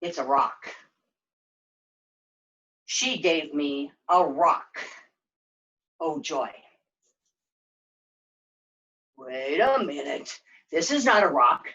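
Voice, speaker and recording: A woman voicing a grumpy, imperious old male dragon in a puppet show, with slow, drawn-out proclamations. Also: low voice, big pitch swings, a bit bright, voice pushed down, heavily acted. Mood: sulky, wondering. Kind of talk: puppet show character acting. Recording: dull, lo-fi sound.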